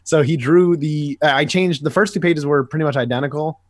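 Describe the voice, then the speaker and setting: A young man co-hosting a podcast, chatting casually and telling stories in a rambling, animated way. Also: on the high side, dry recording, studio quality. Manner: fast, rambling, animated storytelling. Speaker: podcast co-host and comic writer. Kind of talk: casual chat.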